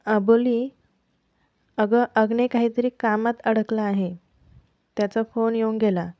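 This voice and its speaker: A woman voicing a caring young relative who gently covers up bad news. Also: on the high side, little pitch movement, a little slow, no room sound, close to an everyday voice. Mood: coaxing. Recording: dull lo-fi, dry close mic.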